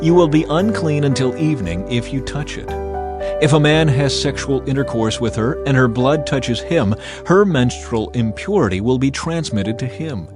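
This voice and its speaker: Over clear background music, a male narrator performs a dramatized scripture reading. His pitch swings widely across each phrase, yet he stays solemn, measured and declarative.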